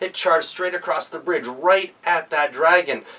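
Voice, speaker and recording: Talking at a moderate pace, a man speaks in an American accent. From Minnesota, USA. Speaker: professional storyteller. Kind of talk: folktale storytelling performance.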